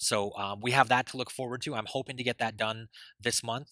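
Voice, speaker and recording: A man speaks loudly at a fairly low pitch, his bright, sharp tone and fairly even intonation captured in a very clean, dry, close recording with no echo and a silent background. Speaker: tech reviewer. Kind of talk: outro call to action; product review tutorial. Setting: home office. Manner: casual, many fillers.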